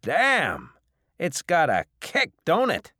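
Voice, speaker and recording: A man voicing a gruff, suspicious alien bartender who bellows bluntly in an audiobook. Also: high voice, expressive, a little slow, fairly bright tone, no room sound, clean studio sound, pitched above the performer's own voice. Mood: gruffly impressed.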